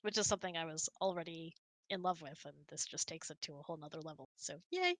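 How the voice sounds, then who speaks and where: A woman with a bright voice chats casually on a close, dry mic. She tells stories expressively and giggles easily between phrases. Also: low voice, fast talker, no echo. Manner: giggly, expressive, animated storyteller. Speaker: host of an audio hangout. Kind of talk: casual storytelling chat.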